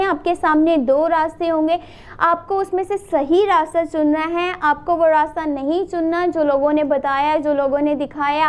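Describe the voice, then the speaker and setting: A woman from Pakistan, slightly hoarse from a sore throat, gives a casual tarot reading. She talks straight to the viewer, repeating and listing phrases and mixing in English. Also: very high-pitched. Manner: addresses the viewer directly, repeats and lists phrases, mixes in English. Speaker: tarot reader.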